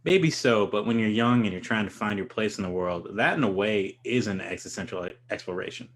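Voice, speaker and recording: A man's voice: fairly low pitch, brisk, natural voice. A man playing an opinionated, thoughtful music lover, speaking in a considered, intellectual way in a play reading. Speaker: actor in a staged reading. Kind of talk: conversational dramatic play reading.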